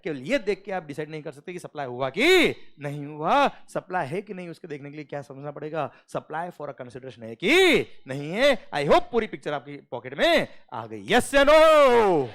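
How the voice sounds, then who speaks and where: Guy teaching in a classroom, high voice, super animated storytelling. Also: moderate pace, few pauses. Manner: animated storytelling, acting out dialogue.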